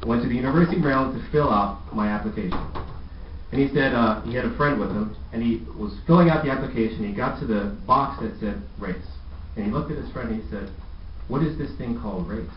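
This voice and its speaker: A man's voice: medium pitch, quick pace, slight background noise. Persuasive man addressing a press room. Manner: questioning the audience, persuasive. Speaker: press conference speaker. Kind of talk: speech at a press conference. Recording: echoey room, distant mic, dull lo-fi.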